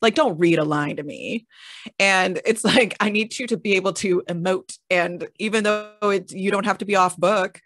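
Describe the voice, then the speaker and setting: A woman's voice: mid-range voice, normal speed, a bit bright, dry recording. A woman who makes audio dramas, explaining her casting choices thoughtfully on a panel. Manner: thoughtful, laughs lightly while explaining. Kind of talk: panel discussion.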